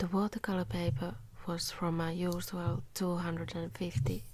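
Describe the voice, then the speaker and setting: A soft-spoken woman talks at a fairly slow pace. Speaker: ASMR artist. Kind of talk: ASMR voice-over narration of drawing process.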